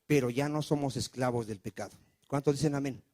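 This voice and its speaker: A male pastor preaching in church, firing questions at the congregation and dropping soft and low for quoted prayers. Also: a little fast. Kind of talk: sermon.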